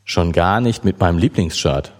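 A man's voice: sits low, lively intonation, moderate pace, pitched below the performer's own voice. A man voicing a shy, flustered teenage boy in a read-aloud novel. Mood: firm. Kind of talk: audiobook reading.

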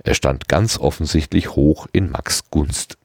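Deep-voiced expressive male storyteller. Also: a little slow, creaky, no echo, clean studio sound. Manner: expressive, voices each character. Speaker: audiobook reader. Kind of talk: storybook reading.

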